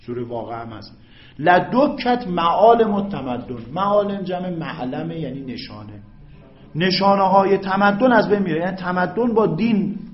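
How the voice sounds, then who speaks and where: Male grammar teacher, slightly high voice, slow explanations, often quizzes the class; dull lo-fi recording. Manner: explains slowly, quizzes students with questions. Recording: echoey room, dull lo-fi sound.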